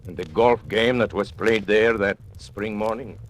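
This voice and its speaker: An actor playing a sinister agent who narrates and taunts powerful men in theatrical 1940s radio acting. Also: male voice, lowish voice, a little slow, a little hiss or hum, close to an everyday voice. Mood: menacing. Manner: menacing, mocking, theatrical. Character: sinister male confidential agent turned blackmailer.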